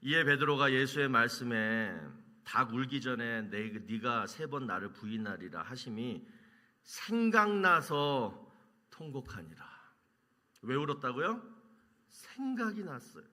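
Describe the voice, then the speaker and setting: A man preaching a sermon as pastor, quizzing the congregation and answering his own questions, moving between loud emphasis and hushed lines. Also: medium pitch, lively intonation, measured pace. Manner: asks the congregation questions and answers them himself.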